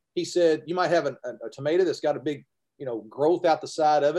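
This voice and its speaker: A man with a Kentucky accent and a fairly high pitch, at a fairly quick pace, in a very clean recording with a silent background. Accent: Kentucky Southern US. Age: 50s. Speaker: retired coach and teacher. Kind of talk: casual interview.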